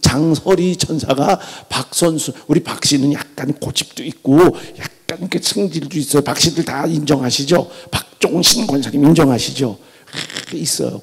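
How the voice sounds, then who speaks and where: A middle-aged male pastor preaching a revival sermon with animated storytelling, swinging from loud outbursts to near-whispers. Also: medium pitch, creaky, slightly rough. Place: church sanctuary. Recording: long reverb in a large church hall.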